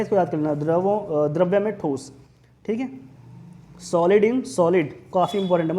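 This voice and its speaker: A man's voice: sits high, dark tone. A man teaching an exam revision lesson in a casual way, often saying "okay" and mixing in English terms. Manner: casual, repeats "theek hai", mixes English terms. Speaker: quiz teacher.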